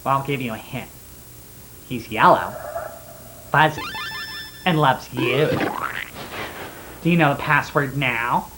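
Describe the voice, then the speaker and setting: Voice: medium pitch, slow, pauses often, slight background noise, rough recording. An actor voicing a creepy old puppet man who teases playfully in a singsong horror web-video style. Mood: gleeful teasing. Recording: music playing loudly behind the voice.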